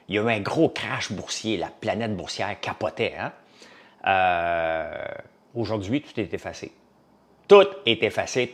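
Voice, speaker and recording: Rambling Québécois French man chatting. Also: on the low side. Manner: rambling, many fillers, jumps between topics. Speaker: farmer and business owner. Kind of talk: casual chat to a live audience.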